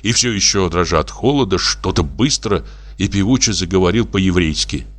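A man reading a classic novel aloud as narrator, with a measured, expressive delivery. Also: sits low. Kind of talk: audiobook narration.

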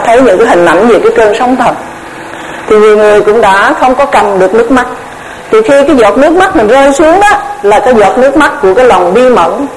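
A woman giving a Buddhist dharma lecture, measured and explanatory, often repeating words as she searches for the next one. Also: fairly high pitch, noisy background. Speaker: Buddhist Abhidhamma teacher.

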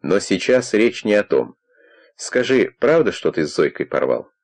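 Man reading as a patient older detective; low, calm, probing. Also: moderate pace. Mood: persuasive. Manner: calm, persuasive, warmly probing. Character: calm, kindly older male investigator.

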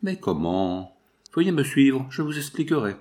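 Old white-haired traveler man all flustered, read by a guy, lively voice. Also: medium pitch, normal speed, close to an everyday voice. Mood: relieved. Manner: exclaiming, flustered.

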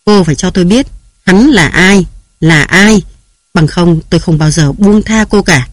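A man's voice: sits high, moderate pace, no room sound, clean studio sound. A man reading aloud who voices a jealous, domineering young husband barking harsh commands and threats. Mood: furious.

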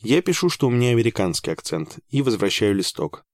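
A man with a lowish voice reads a first-person story aloud in a steady, measured way. His tone stays dry and understated. The recording is close and dead, with no room sound. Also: no room sound. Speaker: audiobook narrator. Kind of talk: first-person audiobook narration.

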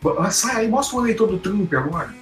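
A man with a slightly high, lively voice teases and stammers through jokes in a casual podcast chat. He sounds roomy and echoey, with loud music behind him. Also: fast talker.

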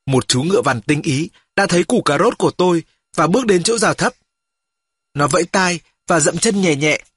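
A man reading a first-person story aloud as an audiobook, steady and storytelling. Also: on the high side, moderate pace, breathy edge, dry recording. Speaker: audiobook reader. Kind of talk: scripted narration.

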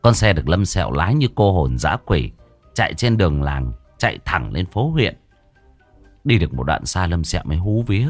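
A man narrates a comic tale in a lively, colloquial way. His voice is low but moves a lot, with music playing faintly behind. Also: moderate pace, dry recording. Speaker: storyteller. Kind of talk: comic storytelling.

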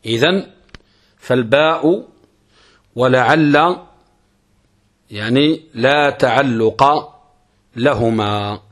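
Husky man teaching grammar. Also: mid-range voice. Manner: explains step by step, asking and answering his own questions; chants verse slowly. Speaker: sheikh teaching Arabic grammar. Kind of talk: grammar lesson.

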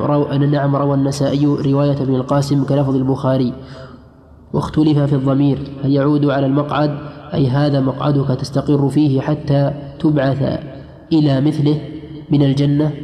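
A man reading texts aloud in a lesson for a teacher, in a steady, even voice. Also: mid-range voice. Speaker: student reader. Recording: dull lo-fi recording in an echoey hall.

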